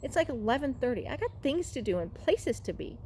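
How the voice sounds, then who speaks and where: A woman voicing a bored, impatient storybook boy who complains in drawn-out slang. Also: sits high, sing-song, darkish tone. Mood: whiny, impatient. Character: whiny, bored boy with things to do. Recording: clearly noisy room recording.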